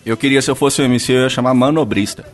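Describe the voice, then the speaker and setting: A man's voice: mid-range voice, quick pace, soft background music. A Brazilian man co-hosting a podcast, playful and slangy as he brings in a news story. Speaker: podcast co-host. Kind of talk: casual podcast banter.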